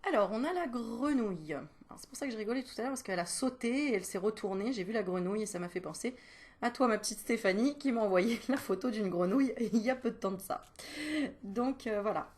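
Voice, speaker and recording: A woman's voice: on the high side, lively intonation, fast talker, darkish tone. Giggly woman doing an animal card reading, chatty, teases the viewer and laughs at herself. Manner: giggly, playful, self-mocking asides; teasing, talks straight to the viewer.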